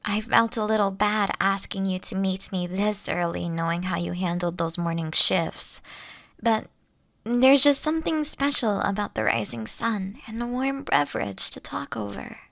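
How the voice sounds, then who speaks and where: Doting female boss, bright creaky voice acted by a woman. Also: mid-range voice, moderate pace, no room sound, clean studio sound. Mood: warm, teasing. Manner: affectionate, coaxing, gently teasing. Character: caring, doting older female boss courting her sweet employee. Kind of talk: intimate audio roleplay acting.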